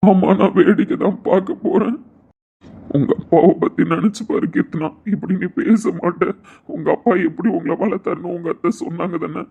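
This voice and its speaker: Man as a husky, gravelly young man, cold and blunt; audio drama, tinny phone-like sound. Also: sits high, moderate pace, heavily acted. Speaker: lead character in an audio drama. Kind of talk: emotional Tamil audio-drama acting.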